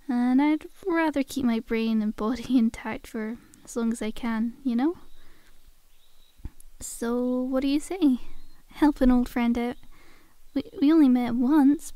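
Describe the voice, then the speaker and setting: A woman's voice: a little high, a little slow, dark tone, no echo, close to an everyday voice. A woman playing a friendly, sly zombie girl in an ASMR roleplay, coaxing a survivor in a chummy, casual, faux-innocent way. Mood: cajoling.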